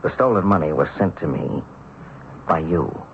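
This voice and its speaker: An actor playing a wronged, determined ex-banker in a radio mystery drama, speaking earnestly and persuasively. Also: male voice, extremely low pitch, lively intonation, normal speed. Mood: firm, insistent. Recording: muffled, noisy old radio broadcast.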